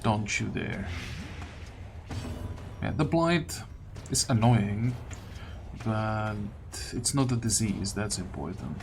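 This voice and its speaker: A man talks through a video game in a casual way, unhurried but with very lively, swinging intonation. He thinks aloud and puts questions to himself, with game music clearly playing behind him. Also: on the low side. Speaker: gaming video host. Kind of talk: casual gameplay commentary.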